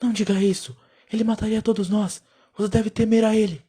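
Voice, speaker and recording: A woman's voice: medium pitch, flat delivery, fairly quick, dark tone, slightly rough, natural voice. A woman playing a stern, devout older tribal leader in an audio drama, solemn and imperious in manner. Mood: fearful, troubled.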